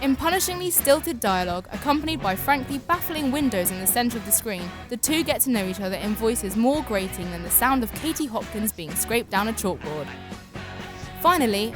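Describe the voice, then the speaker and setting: Higher-pitched sardonic British woman narrator. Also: lively intonation, a little fast. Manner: sardonic, incredulous. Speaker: video narrator. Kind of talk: comic scripted commentary. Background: music.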